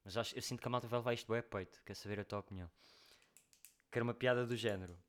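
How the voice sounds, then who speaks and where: Fast-talking young man, slangy and joking. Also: medium pitch, fairly even intonation. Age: 20s. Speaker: podcast co-host. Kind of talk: casual chat.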